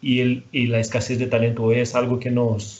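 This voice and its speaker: A man's medium-pitched, somewhat breathy voice with a Brazilian accent. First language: Portuguese (speaking Spanish). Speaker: data analytics executive. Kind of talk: panel discussion. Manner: halting, many repetitions.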